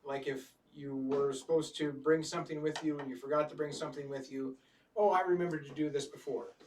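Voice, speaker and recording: Higher-voiced man running the game. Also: steady tone, a little fast, darkish tone. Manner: explains rules, dry teasing. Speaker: game master. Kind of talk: running a tabletop game at a table. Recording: distant mic, faint background noise.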